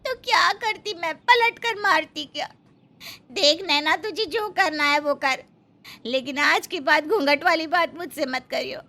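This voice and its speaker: A woman's voice: high voice, a little slow, bright, forceful tone, full character voice. A woman voicing a meek, timid young daughter-in-law in a cartoon, resigned in tone.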